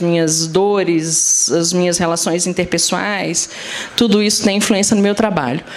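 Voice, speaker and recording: Amid noticeable background noise and audible room echo, a woman with a medium pitch talks at a fairly slow pace. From northern Brazil. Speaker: photographer. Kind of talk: talk to an audience.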